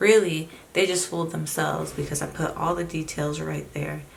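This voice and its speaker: A woman's voice amid noticeable background noise. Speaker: beauty vlogger. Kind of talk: casual makeup tutorial talk to camera. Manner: monotone in bits.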